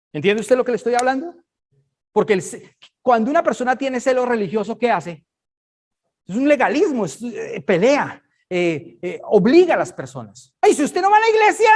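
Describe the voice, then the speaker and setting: A man's voice: high-pitched, darkish tone. A man preaching a Bible study, emphatic and conversational, often checking that listeners understand.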